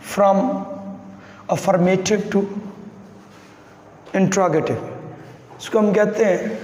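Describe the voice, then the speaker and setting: Slow, echoey male grammar teacher. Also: sits high, darkish tone. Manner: repeats words and phrases slowly as if dictating; mixes English example sentences into his explanations. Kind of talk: classroom-style grammar lecture. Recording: echoey room with long reverb and faint hiss.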